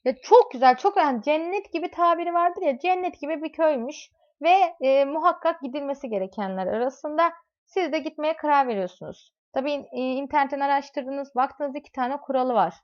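A woman teaching a math lesson, explaining with everyday examples and asking her students questions as she goes. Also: sits high. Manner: talks directly to students in second person. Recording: dull lo-fi recording.

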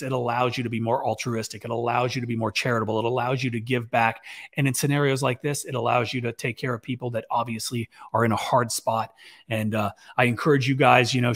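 Raspy-voiced man at a podcast mic. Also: medium pitch. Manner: conversational, many fillers and restarts, gestures while talking. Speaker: business owner vlogger. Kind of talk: casual talking-head storytelling. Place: home office with shelves, indoors. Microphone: large podcast mic on boom arm.

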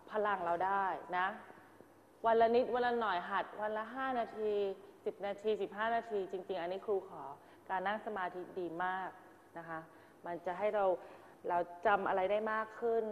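An acting teacher coaches her drama class, handing out direct corrections to students one after another. Her mid-range voice keeps fairly even intonation at a moderate pace, with a little hiss or hum in the background. She rings out in a large hall with long reverb, and the sound is somewhat dull and muffled.

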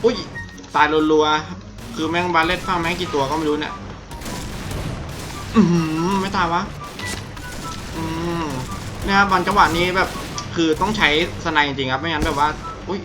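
A man's voice: fairly high pitch, moderate pace, pauses often. A young man giving crude, joking commentary while playing a shooting game, swearing and laughing often. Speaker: gaming YouTuber. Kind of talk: casual gameplay commentary. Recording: game music and gunfire under the voice. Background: game gunfire and music.

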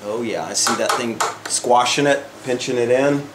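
A man's voice: mid-range voice, normal speed, very noisy. An older man in a woodworking shop, thinking aloud as he demonstrates a project and often restarts his sentences. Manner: thinking aloud while working, frequent restarts. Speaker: woodworking instructor. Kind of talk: casual workshop demonstration.

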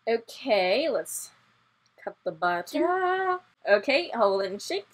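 A gaming channel host speaks slowly in a voice on the high side with big pitch swings. She chats casually through the game commentary and playfully teases her co-player.

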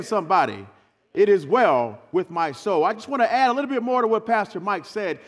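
A middle-aged man preaching as a guest pastor, loud and emphatic, calling for responses from the congregation. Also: very high voice. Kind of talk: sermon. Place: church stage, large sanctuary.

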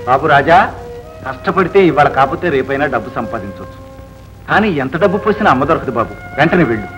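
An actor playing a kindly middle-aged gentleman who speaks to a boy in a gentle, fatherly way. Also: medium pitch, lively intonation, quick pace, faint music behind, lightly acted, rough recording. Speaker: visiting wealthy father figure. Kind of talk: 1970s Telugu film acting.

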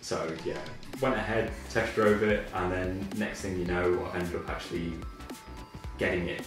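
A young Englishman with a low voice chats casually, pausing often mid-sentence. The room is very echoey, the mic sits at a distance and faint music plays behind him. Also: steady tone. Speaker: interviewee, car owner. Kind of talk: casual chat while playing a video game. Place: living room, indoors.

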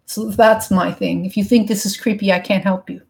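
A woman in her thirties chats frankly and casually with her live-stream viewers, answering their chat and swearing now and then from her apartment living room. She speaks at normal speed in a medium-pitched, steady voice that's creaky and darkish. Her desk webcam mic picks up a little hiss or hum.

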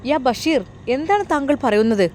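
A woman voicing a gentle older Arab employer. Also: mid-range voice, expressive, normal speed, slight background noise, lightly acted. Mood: puzzled. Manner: gentle, coaxing questions.

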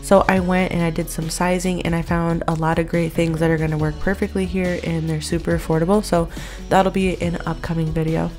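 A woman's voice: lowish voice, flat delivery, a little fast, over music. An American woman talking casually in a chatty, rambling, conversational vlog voice-over. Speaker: vlogger.

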